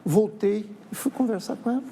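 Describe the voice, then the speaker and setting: A man's voice: high-pitched, moderate pace, mellow, a little hiss or hum. A man, a writer telling stories reflectively in a casual TV interview. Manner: reflective, with frequent tag questions. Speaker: writer and guest. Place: TV studio.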